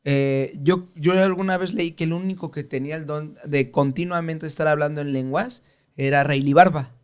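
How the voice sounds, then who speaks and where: A man's voice: on the high side, normal speed, clean tone. A man co-hosting a Christian podcast, chatting casually with jokes and slang. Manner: joking, teasing slang, excitable. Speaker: podcast co-host. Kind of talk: casual banter.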